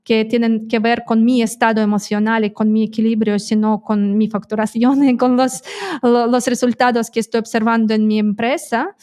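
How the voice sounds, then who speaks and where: A woman who grew up with another first language talks in a direct, earnest manner, pausing often to find her words. Her voice sits fairly high for a woman. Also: flat delivery, warm tone. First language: not Spanish. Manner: direct, earnest, frequent hesitations and laughs. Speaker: interview guest. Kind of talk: conversational interview.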